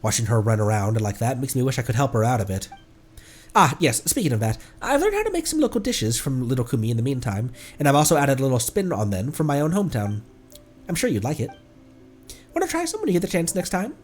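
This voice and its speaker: A man's voice: mid-range voice, huge pitch swings, fast talker, soft background music. A man voicing a polite, enthusiastic researcher from a fantasy game, chatty and courteous as he reads the dialogue aloud. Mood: apologetic.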